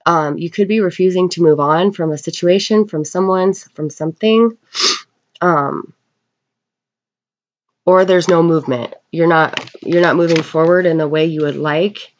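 A woman getting over a cold gives a casual tarot card reading, speaking haltingly with unhurried pauses. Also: sits low. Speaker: tarot reader. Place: indoors at a table in a room. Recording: dull, lo-fi webcam sound.

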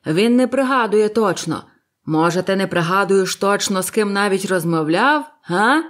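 A loud, bossy one-legged old sea cook who blusters and barks orders, as a woman reader puts him on. The voice sits higher and louder than the reader's usual telling. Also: animated, unhurried. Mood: blustering. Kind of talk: audiobook character voice.

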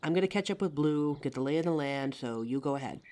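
Protective female bodyguard, played by a woman, flirtatious and caring. Deep register, animated intonation, audio drama intimacy. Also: quick pace. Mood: reassuring. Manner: gentle, teasing, reassuring.

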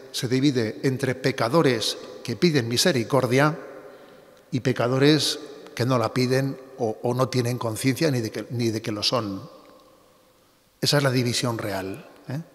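A middle-aged bishop giving a conversational spiritual reflection, often tagging his sentences with little questions. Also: medium pitch. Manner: conversational preaching with frequent tag questions. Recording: reverberant hall.

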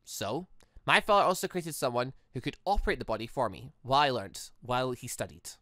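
Gamer reading as troubled android girl, visual novel, hesitant, thoughtful, earnest, lively intonation. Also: medium pitch, brisk, no echo, clean studio sound. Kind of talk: visual novel dialogue read aloud.

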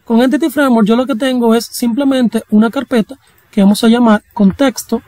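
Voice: mid-range voice, steady tone, brisk, darkish tone, dry recording, rough recording. Casual coding instructor. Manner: casual, chatty teaching with slang and jokey asides. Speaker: programming instructor. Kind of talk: screen-recorded coding tutorial.

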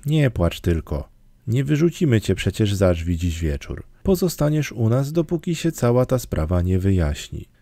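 A man voicing a stern, practical middle-aged woman in an audiobook, brisk and curt. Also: on the low side, big pitch swings, warm tone, no room sound. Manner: brisk, curt, matter-of-fact. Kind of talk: audiobook character reading.

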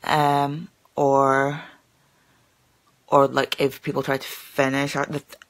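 A young woman who stammers hosts a live stream, chatting casually with viewers and filling her speech with fillers and repeated words. Her voice is bass, monotone and slow. She films on a phone held at arm's length in a small room.

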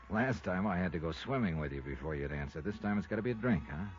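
An American actor playing a tough, wry, skeptical insurance investigator with clipped delivery in 1950s radio style. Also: male voice, low voice, lively intonation, fairly quick. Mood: skeptical, pressing. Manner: clipped, hardboiled, pointed. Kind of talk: 1950s radio detective acting. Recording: dull vintage radio recording, faint music.

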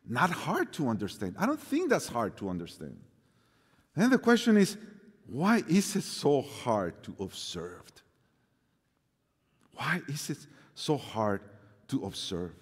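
Pastor, fifties, Mexican accent, earnest sermon with repeated phrases, slightly high voice, church hall echo. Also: male voice. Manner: earnest, repeats key phrases, gestures while preaching. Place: large church stage with orchestra instruments. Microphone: lapel mic. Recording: long hall reverb.

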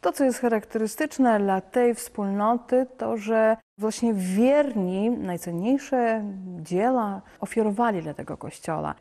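A woman's voice: mid-range voice, dark tone. A woman, a television presenter, giving a composed, articulate scripted introduction inside a church. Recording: long church reverb.

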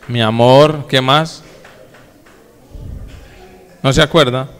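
A man's voice: medium pitch, fairly even intonation, slow, clean tone. A male pastor preaching a sermon, talking casually to his congregation and asking them questions. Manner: folksy, addresses the congregation directly with questions. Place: church. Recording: echoey church hall with long reverb.

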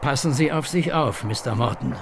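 An actor playing a polite, hesitant and fussy gentleman informant in a German horror audio drama. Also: medium pitch, natural voice. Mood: courteous, confiding. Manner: polite, halting, formal. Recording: faint background noise.

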